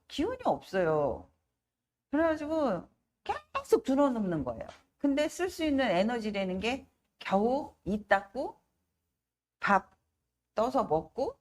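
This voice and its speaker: A middle-aged woman evangelist giving a spoken testimony, telling her story in a lively, animated way and acting out the voices of people in it. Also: fairly high pitch. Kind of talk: testimony sermon.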